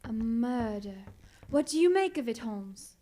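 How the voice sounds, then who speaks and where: A kindly, sentimental gentleman companion, played by a woman in radio theatre. The voice is high, with a genteel manner and an exclamatory way of reacting. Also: expressive, a little slow, slight background noise. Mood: shocked.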